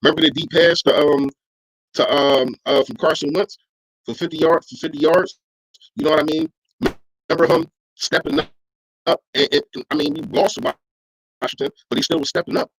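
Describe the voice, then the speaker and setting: A man's voice: fairly high pitch, lively intonation, normal speed, creaky, long pauses, breathy edge, low-quality recording. A man hosting a sports podcast, arguing his points emphatically in casual, slangy chat while answering his live audience.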